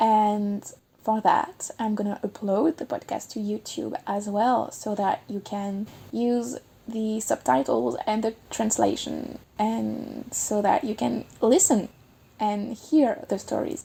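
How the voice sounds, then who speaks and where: A woman with a French accent talks at a very slow pace. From France. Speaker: podcast host. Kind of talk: podcast monologue. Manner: animated.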